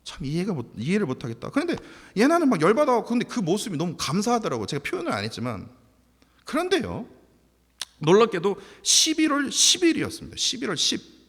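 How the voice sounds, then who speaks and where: Lively man preaching in a church. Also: high-pitched, fast, slightly rough. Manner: animated storytelling with laughter. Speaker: pastor. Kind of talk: sermon. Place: church sanctuary. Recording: long church hall reverb.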